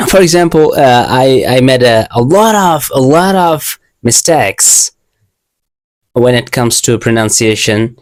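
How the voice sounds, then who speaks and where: A young Asian man, not a native English speaker, talks through his advice in an earnest, learner's English, circling back and restarting his phrases as he goes. His voice is mid-pitched and sits close to the mic in a dry, deadened space. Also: lively intonation, a little slow, dry recording. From Asia. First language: an Asian language. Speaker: English teacher. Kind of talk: casual video lesson.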